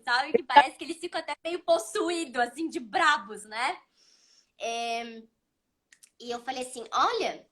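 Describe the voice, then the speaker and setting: A woman in her thirties, hosting a child psychology talk, explaining calmly and telling stories about her son with acted-out dialogue. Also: sits high. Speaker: child psychology channel host. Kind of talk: casual advice talk.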